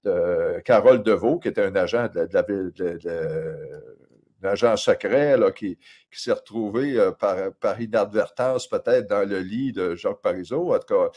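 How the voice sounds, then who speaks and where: A man with a slightly low voice introduces a guest. He halts constantly, repeating small words and leaning on fillers as he gropes for the next phrase. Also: a little mellow. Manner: halting, heavy stammering and fillers. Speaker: show host. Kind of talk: casual talk-show introduction.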